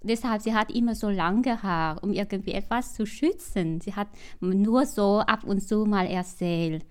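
Vietnamese-accented woman, 60s, non-native German, slow halting delivery with restarts, mid-pitched. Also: clear, resonant tone. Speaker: interviewee. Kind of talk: recounting her life story.

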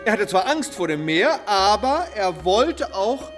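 High, tipsy, pompous male orator. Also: sing-song, a little slow, fairly bright tone, full character voice. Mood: tipsy grandiose. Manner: declamatory, pompous. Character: tipsy man grandly orating about the ancient Greeks. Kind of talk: radio drama, grandiose speech. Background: music.

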